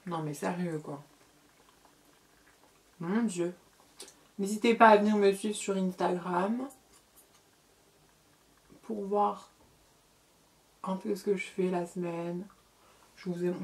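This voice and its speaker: In a voice on the low side, this middle-aged beauty vlogger chats her way through a relaxed makeup tutorial. Words get repeated and pauses get filled as she goes.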